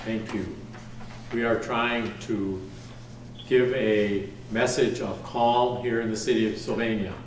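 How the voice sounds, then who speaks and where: Measured mayor in a roomy council chamber. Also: male voice, lowish voice, steady tone. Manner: measured, frequent ums. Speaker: mayor chairing a council meeting. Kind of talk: formal meeting update. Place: wood-paneled council chamber. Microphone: desk microphone from a far camera. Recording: roomy chamber, distant mic, faint hiss.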